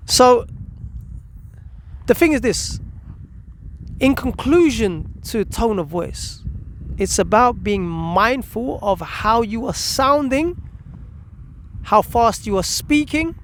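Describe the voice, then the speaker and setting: Guy with a high voice doing parenting advice, emphatic with pauses, bit of noise behind him. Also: animated, a bit bright. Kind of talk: informal motivational advice talk to listeners.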